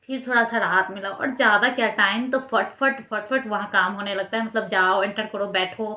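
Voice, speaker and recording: A woman's voice: medium pitch, fairly even intonation, normal speed, sharp tone. Chatty woman vlogger, echoey room. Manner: rambling, many fillers and restarts. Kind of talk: casual storytelling to camera.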